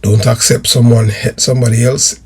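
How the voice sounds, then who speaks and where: A man's voice: medium pitch, flat delivery, moderate pace, a little mellow, breathy edge. A Jamaican man delivering emphatic political commentary to his viewers in a declamatory way, repeating phrases for emphasis. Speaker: host of a political history video channel.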